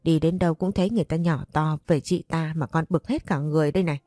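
A woman's voice: low voice, fairly even intonation, dark tone, no echo, studio quality, faint music behind, lightly acted. Woman doing an indignant gossiping daughter. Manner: blunt, fast and scolding.

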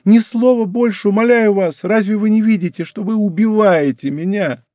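A man's voice: high voice, normal speed, a little mellow, dry recording, studio quality, voice pushed up, lightly acted. A man reading an audiobook, voicing a passionate, pleading young woman in love. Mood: despairing. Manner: impassioned, tearful pleading.

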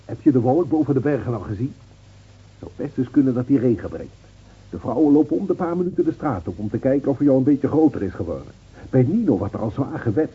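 An actor playing a brooding village man in a radio play, measured and ruminative in his delivery. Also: mid-range voice, expressive, slightly rough. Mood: chatty. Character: brooding village man, neighbourly wine-sipping visitor. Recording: tinny, phone-like old radio play recording.

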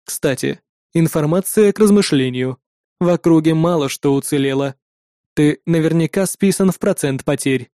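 A man reading an audiobook who voices a calm, terse male combat android, speaking in a cold and measured way. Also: on the high side, no echo, studio quality. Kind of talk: audiobook character voice.

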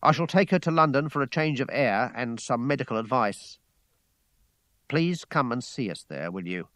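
A man's voice: medium pitch, animated, moderate pace, fairly bright tone, dry recording, close to an everyday voice. A man voicing a troubled, dignified lady reading out her letter in a grave, formal manner. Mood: grave, worried. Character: troubled, dignified mother, a lady of rank, writing.

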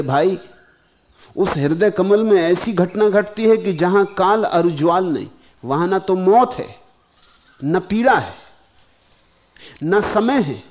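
A man giving a spiritual discourse, speaking in slow rhythmic phrases that swell and sink, and chanting verses slowly. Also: a little high, highs cut off. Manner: slow, rhythmic, rising and falling emphasis. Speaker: spiritual teacher.

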